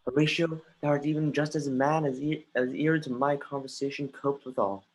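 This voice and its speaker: An actor playing an earnest, brooding young prince in a Shakespeare stage reading, with a husky voice and halting delivery. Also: male voice, medium pitch, fairly even intonation, lightly acted, low-quality recording. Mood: earnest confiding. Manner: halting, restarts phrases mid-line. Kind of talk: dramatic reading of Shakespeare, often stumbling. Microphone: home computer mic on a livestream.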